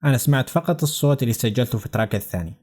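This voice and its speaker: A man with a Levantine Arabic accent narrating a software tutorial step by step in a conversational, explanatory way. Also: mid-range voice, expressive, rapid-fire, breathy edge. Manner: conversational, explanatory, addressing viewers directly. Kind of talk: instructional screencast narration, step by step.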